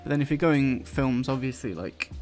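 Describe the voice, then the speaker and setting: A man with an English accent softened by London, chatting casually and rambling while he draws, swearing now and then and dropping his t's. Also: mid-range voice, lively intonation, moderate pace, soft background music. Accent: English, London-influenced. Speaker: YouTuber drawing on stream. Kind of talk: casual chat while drawing.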